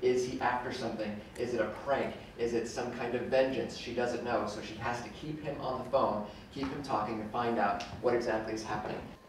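Monotone, flat delivery at a fairly quick pace, with audible room echo and noticeable background noise. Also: man. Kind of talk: talk to audience. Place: stage.

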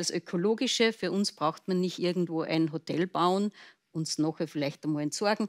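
A woman talks at a moderate speed with ordinary pitch movement, the background quiet. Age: 60s. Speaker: house swapper; talk show guest. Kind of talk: talk show conversation. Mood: cheerful, lively. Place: studio.

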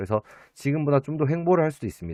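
A man speaks here. His intonation is lively. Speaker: stock chart analysis youtuber. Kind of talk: tutorial. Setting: at hometown, recording on old computer. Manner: casual, filler-heavy explanation.

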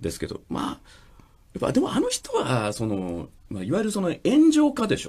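Here is a man speaking. He keeps a moderate pace. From Japan, Osaka (Kansai). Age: 40s. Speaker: rakugo performer. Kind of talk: radio talk show interview.

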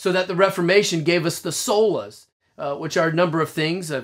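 Over a quiet background, a man speaks in a high pitch. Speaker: pastor. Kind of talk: sermon. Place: home room. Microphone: camera far.

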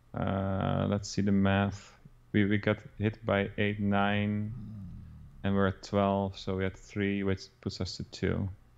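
In a Dutch accent, a man speaks at a very slow pace with a fairly low pitch and monotone, flat intonation. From Netherlands. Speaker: gaming co-player; game streamer. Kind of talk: casual gaming commentary. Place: home room.

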